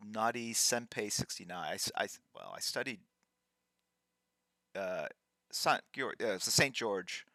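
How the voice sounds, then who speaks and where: Slow, gravelly man hosting a livestream. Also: low voice, pushed and bright, no echo, studio quality. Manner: halting, thinking aloud, reading viewer names. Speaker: livestream host. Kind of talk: casual livestream chat while drawing.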